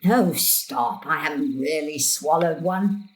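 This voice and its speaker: A woman's voice: sits low, slow. An actress playing a querulous, mischievous old grandmother, grumbling and theatrical, in an audio drama. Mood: sheepish.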